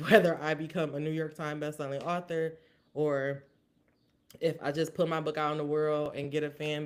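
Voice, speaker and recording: A woman hosting a casual solo podcast recap, earnest and motivational, thinking aloud with many restarts. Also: low voice. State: briefly emotional. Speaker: podcast host.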